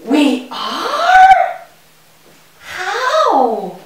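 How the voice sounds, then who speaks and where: Woman playing a slow-talking, wide-eyed puppet boy. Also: very high voice, wildly swooping pitch, full character voice. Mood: doubtful. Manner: exaggerated wonder, drawn-out questions. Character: puppet boy, naive, curious, easily amazed. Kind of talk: children's educational puppet show. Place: indoor puppet stage in a room. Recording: echoey room, distant microphone.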